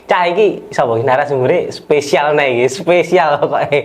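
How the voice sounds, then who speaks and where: A man hosting a casual podcast interview, joking and laughing often with quick backchannels. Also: a little high. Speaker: podcast host.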